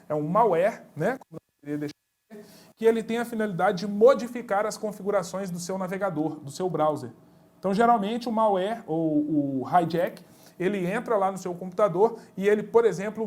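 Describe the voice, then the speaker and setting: A man's voice: high voice, a little mellow. A man, teaching an informal exam-prep lecture in a blunt, slangy way, talking straight to his students.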